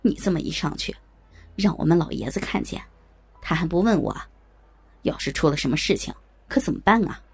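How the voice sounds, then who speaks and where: A woman voicing a gaunt, sickly old man who talks in a hushed, flustered, pleading way. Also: low-pitched, sing-song, brisk, gravelly, husky, voice pushed down, full character voice.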